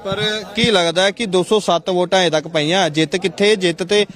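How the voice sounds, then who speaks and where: A man's voice: sits high, steady tone, moderate pace, a bit bright. A man, a TV field reporter asking teasing, pointed questions outdoors. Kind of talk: probing field interview. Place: outdoors at a vote counting centre.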